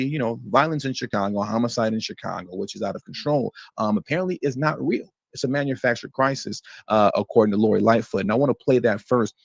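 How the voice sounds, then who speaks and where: A man's voice: mid-range voice, creaky, no echo. A man hosting a political commentary show, reading out news quotes and answering them with scorn and mocking emphasis.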